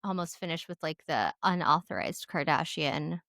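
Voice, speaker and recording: A woman's voice: sits low, lively intonation, normal speed, fairly bright tone, dry recording, clean studio sound. A woman chatting casually as a podcast co-host, with a candid, gossipy manner. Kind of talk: casual chat.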